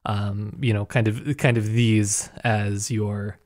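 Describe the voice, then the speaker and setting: Hesitant low-voiced male podcast host. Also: flat delivery, slow pace, a little mellow. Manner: searching, hesitant, many fillers. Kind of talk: casual podcast conversation.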